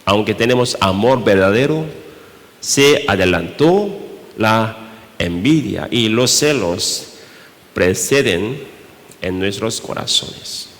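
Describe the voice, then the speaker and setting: A man from Korea with a Korean accent, preaching a sermon in Spanish as pastor, halting, with many rhetorical questions. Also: fairly low pitch, lively intonation, a bit bright. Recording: reverberant church hall.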